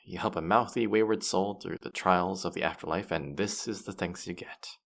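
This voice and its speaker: Low, creaky, boastful demon guide acted by a man. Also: moderate pace, a bit bright. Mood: mock-offended. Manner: playful, smug, mock-offended, hesitating mid-thought. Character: boastful, teasing male demon guide of the afterlife. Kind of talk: scripted character audio roleplay addressed to the listener.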